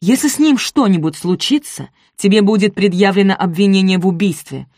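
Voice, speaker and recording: Brief: a woman playing a commanding male detective, forceful and clipped, dry close read. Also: lowish voice, normal speed, dry recording, close to an everyday voice. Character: tough male state police detective, commanding.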